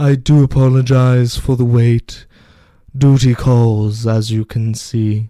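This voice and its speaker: Using a put-on character voice, a man talks at a fairly slow pace and a medium pitch. His intonation stays monotone and flat. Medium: actual play. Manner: formal, measured.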